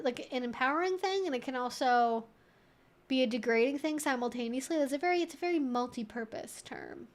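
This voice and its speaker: A woman hosting a live Q&A stream, thinking aloud in an informal, chatty, wry and opinionated way. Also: sits high.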